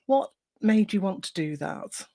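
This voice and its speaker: A woman's voice: medium pitch, animated, measured pace, mellow. A woman hosting an interview podcast, reading an introduction and asking encouraging questions. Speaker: podcast host.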